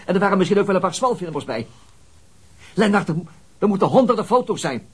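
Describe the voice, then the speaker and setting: A man's voice: sits high, very animated, fast, breathy edge, heavily acted. A man playing a methodical middle-aged police detective and father in a naturalistic radio drama, dryly reasoning things through. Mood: urgent, excited.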